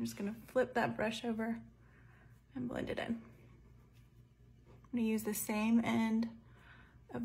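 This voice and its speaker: Very wide pitch swings in a woman's somewhat breathy speech. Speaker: makeup tutorial creator. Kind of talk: tutorial. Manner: casual, chatty.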